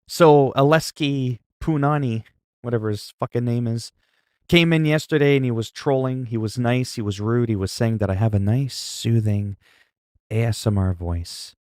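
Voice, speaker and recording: A man hosting a livestream, chatting loudly in a mock-stern, profane way with quick swings in volume. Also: mid-range voice, clear, resonant tone, dry recording, clean studio sound. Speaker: livestream host. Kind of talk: casual livestream chat.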